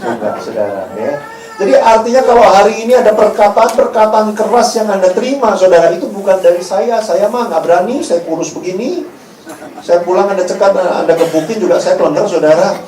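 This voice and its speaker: A male pastor preaching in an animated, joking, colloquial way. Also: high voice, a little fast, roomy sound, distant mic, a little hiss or hum, low-quality recording. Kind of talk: sermon.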